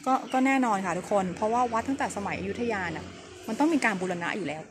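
Outdoors at a temple on an overcast day, a woman travel vlogger gives a chatty, casual walking tour, speaking softly and keeping her voice down. Her voice is a little high, expressive, and fast, and the recording is noisy.

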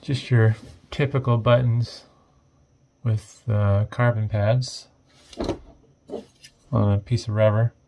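A man giving casual, off-the-cuff narration of an electronics teardown, thinking aloud in a hesitant, low-key way. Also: steady tone, slow pace, creaky, long pauses, very noisy. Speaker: host of an electronics teardown video.

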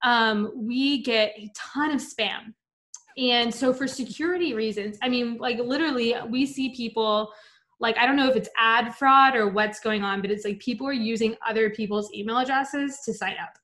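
A woman's voice: a little high, moderate pace, fairly bright tone. A woman speaking casually in an interview about her company's sign-up choices, chatty and full of fillers. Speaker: product team guest at the reviewed company.

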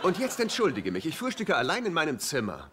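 Sulky needy sitcom man, whiny n sarcastic, highish voice all over the place, noisy audio. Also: huge pitch swings, fairly quick. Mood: self-pitying. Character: needy, self-pitying, flustered man moping like a sulky child. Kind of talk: dubbed sitcom acting.

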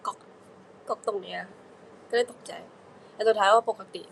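A woman's voice: mid-range voice, fairly even intonation, moderate pace, gravelly, a little hiss or hum, poor audio. A young woman hosting a casual livestream, chatting playfully with fans and reading their comments. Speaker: idol livestream host.

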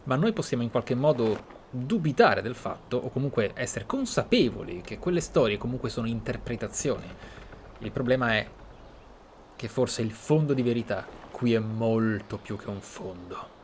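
A man's voice: mid-range voice, expressive, normal speed. Casting: male gameplay host, mid-range voice, thoughtful explainer, some game ambience underneath. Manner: reflective, explanatory. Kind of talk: role-play game commentary. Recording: clear background game ambience noise.

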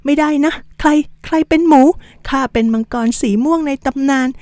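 Woman putting on a chubby male pig-dragon, high and squeaky, indignant, whiny, soft and mellow. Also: lively intonation, normal speed, no echo. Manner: whiny, protesting outbursts.

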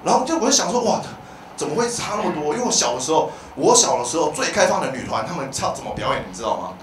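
A man with a Taiwanese Mandarin accent, working a comedy-club crowd, his voice sitting high for a man. He is animated, breaking into loud shouted bits. The sound comes from some way off in an echoey room, with the audience clearly audible. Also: very fast, distant mic, a little hiss or hum. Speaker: stand-up comedian. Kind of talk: stand-up comedy set.

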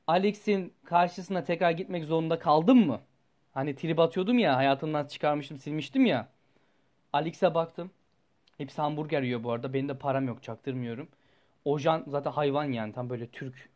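A young man, a student, telling a story to his viewers in a casual, animated way, blunt and full of swearing, his voice jumping up and down as he goes. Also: normal speed. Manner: animated, blunt and profane, with sudden jumps in pitch and loudness.

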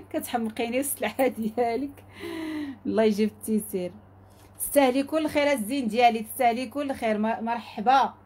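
A woman with a Moroccan accent, pitching jewelry in a repetitive, enthusiastic sales patter. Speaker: jewelry seller.

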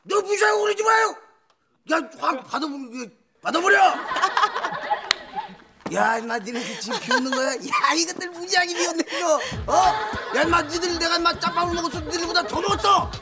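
A man doing an impression of a boastful, bossy demoted constable in a sitcom, shouting rough commands. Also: very high-pitched, fairly quick, a loud crowd, pitched above the performer's own voice. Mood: blustering.

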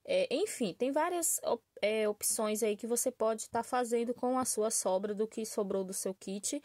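A Brazilian woman runs a crochet channel, talking to viewers casually from a work table in a small room, with a camera filming her hands and table from above. She's chatty and warm-hearted, calls her audience "gente," and keeps tagging sentences with "tá?" and "né?". Her slightly high voice is unhurried, and the recording is dry and studio quality.

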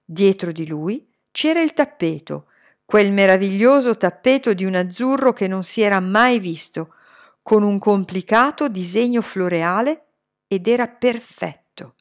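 A woman narrating a novel chapter in the first person, measured and expressive. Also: mid-range voice. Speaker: audiobook reader. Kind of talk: scripted narration.

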